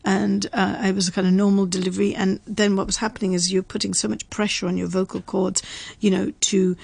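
A woman's voice: mid-range voice, level tone, brisk, vocal fry, darkish tone, slightly rough, no room sound. A woman in casual chat, explaining facts as a radio presenter and laughing often. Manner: chatty, reads facts aloud, laughs often.

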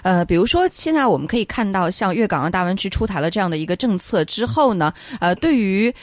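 A woman's voice: medium pitch, big pitch swings, fast talker, no room sound. A woman hosting a finance interview, putting questions politely with long, wordy lead-ins. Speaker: interviewer, host.

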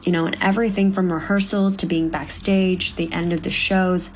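A woman in her twenties from Hong Kong, a young actor giving earnest, measured interview answers with the odd "um". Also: fairly low pitch, level tone, a little hiss or hum, low-quality recording. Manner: earnest, measured, with frequent ums. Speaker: guest actor.

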